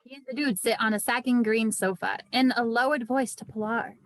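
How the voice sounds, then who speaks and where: Higher-voiced woman narrator, dry sound. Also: fairly even intonation, fairly quick, no echo. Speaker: narrator reading stage directions. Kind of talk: scripted narration.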